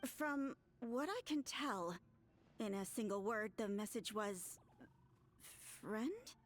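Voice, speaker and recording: A woman's voice: mid-range voice, lively intonation, slow pace. A woman voicing a wry female tribal priest with a dry, matter-of-fact manner.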